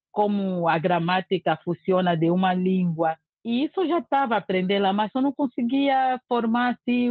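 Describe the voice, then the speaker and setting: A woman's voice: mid-range voice, no room sound. A woman from Angola with an Angolan Portuguese accent, speaking earnestly and emphatically in a casual testimonial, often restarting her sentences. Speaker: language course student giving a testimonial. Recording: tinny, dry phone-like audio.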